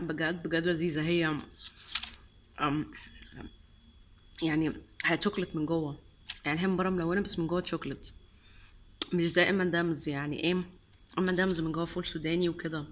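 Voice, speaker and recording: Chatting casually during a taste test, this vlogger speaks with an Egyptian Arabic accent and scatters English and French words through her gushing, repetitive praise. Her low voice stays fairly even as she talks fast with frequent pauses, over slight background noise.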